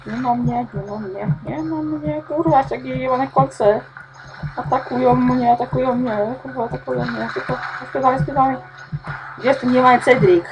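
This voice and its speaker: A woman's voice: fairly high pitch, noisy background. A woman playing a video game, talking to herself and swearing constantly as she gets lost and frustrated. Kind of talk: swearing gameplay commentary.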